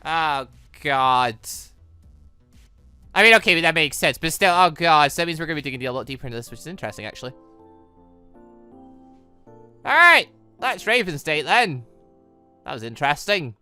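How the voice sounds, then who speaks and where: Bright-voiced young man, rambling. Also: fairly high pitch, clean tone, no room sound. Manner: rambling, trails off into nonsense syllables. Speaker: gaming channel host. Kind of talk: casual game commentary. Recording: music behind the voice.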